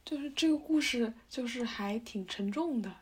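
Thoughtful woman with a higher voice. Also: moderate pace, darkish tone, a little hiss or hum. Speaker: podcast co-host. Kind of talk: casual chat.

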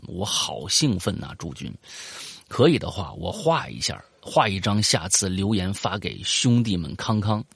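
Animated man, husky voice. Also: fairly low pitch, no room sound, studio quality. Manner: animated, swears, jumps into voices for quoted lines; rambling with frequent fillers and repeats. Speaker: host reading out a listener's story. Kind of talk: casual storytelling with banter and commentary.

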